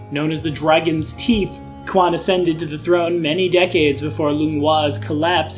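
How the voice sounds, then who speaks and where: A young man hosting an online channel, giving a casual overview of tabletop game lore with dry, sarcastic asides. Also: on the high side. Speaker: YouTube host explaining game lore.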